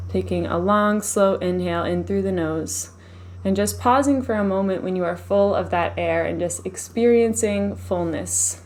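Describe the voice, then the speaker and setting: A woman leading a live guided meditation in a soothing, unhurried, gently instructive manner. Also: on the low side.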